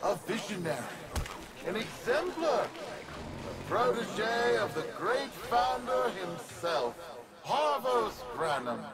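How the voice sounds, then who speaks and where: A man's voice: sits high, very animated, takes it slowly, heavily acted. A man playing a pompous, vain, theatrical corporate magnate in a video game, speaking in grandiose oratory. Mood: grandiose speech. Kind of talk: video game villain acting.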